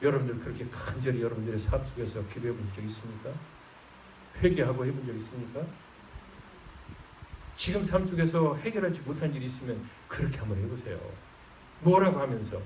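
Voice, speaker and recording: A man preaching a sermon as pastor, fervent and swelling loud on his exclamations. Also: medium pitch, a little fast, long pauses, a little hiss or hum. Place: church sanctuary. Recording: roomy church sound, mic at a distance.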